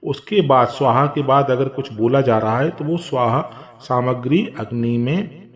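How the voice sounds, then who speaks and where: A man patiently explaining a home fire ritual step by step, with drawn-out chanted mantras. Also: medium pitch. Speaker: religious instructor.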